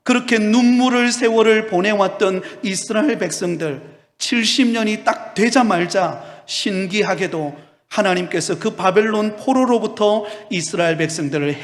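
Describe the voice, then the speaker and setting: A man preaching a sermon as a pastor, addressing his congregation emphatically with rhetorical questions in a church. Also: high voice. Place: church sanctuary during Sunday service. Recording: long reverberation of a large hall.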